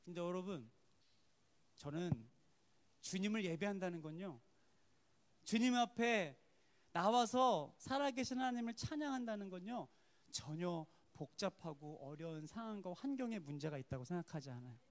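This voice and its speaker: A man's voice: high-pitched, animated, normal speed. A man, a worship minister, giving a testimony sermon at a church service, telling stories expressively, acting out quotes and laughing often.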